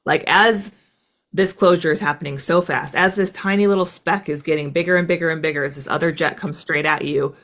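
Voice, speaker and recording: Speaking low and quickly, a former fighter pilot from the US, a woman in her thirties, shares anecdotes as an interview guest. Her storytelling is lively and casual, peppered with "like."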